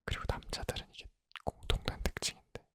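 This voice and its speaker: A man in his twenties whispering a personal story in a soft, intimate, conversational ASMR style. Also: fast talker. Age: 20s. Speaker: ASMR creator.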